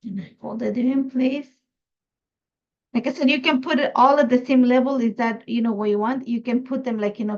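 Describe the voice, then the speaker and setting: A woman's voice: fairly high pitch, darkish tone, lo-fi sound. A middle-aged woman from Ecuador, chatty and thinking aloud as she hosts a live scrapbooking tutorial. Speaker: craft host.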